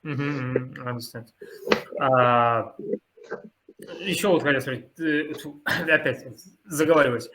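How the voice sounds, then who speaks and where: A young Russian man hosting a casual chat. He speaks halting English with a Russian accent and laughs often. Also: mid-range voice, fairly even intonation, sharp tone, poor audio. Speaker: host.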